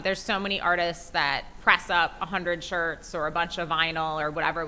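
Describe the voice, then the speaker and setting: A woman's voice: fairly low pitch, pushed and bright, slight background noise, poor audio. A woman hosting a podcast, explaining things to an audience in a casual, conversational way. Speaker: podcast host. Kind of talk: spoken presentation to an audience.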